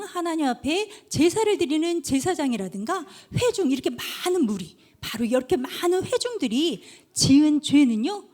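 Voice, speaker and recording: A woman preacher giving a children's sermon, telling little stories and speaking straight to the kids. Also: sits high. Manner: animated storytelling, addresses children directly.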